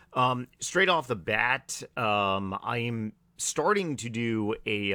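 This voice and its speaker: The recording is very clean, with a silent background. A man with a bright, sharp tone speaks at a fairly low pitch, with ordinary pitch variation. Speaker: stock market commentator. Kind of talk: casual market commentary. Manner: low enthusiasm; hesitant, many fillers.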